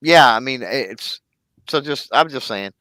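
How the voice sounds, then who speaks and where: A man's voice: medium pitch, lively intonation, unhurried, bright, forceful tone, dry recording, low-quality recording. A man with an East Texas accent, co-hosting a podcast in casual chat, rambling and correcting himself as he goes. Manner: rambling, self-correcting, spells out names. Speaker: podcast co-host.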